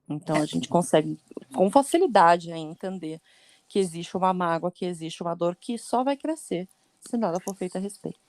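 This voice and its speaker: A woman's voice: on the low side, animated, moderate pace, a little mellow, no echo. A woman, co-hosting a podcast, explaining points earnestly in lists. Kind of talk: explanatory conversation.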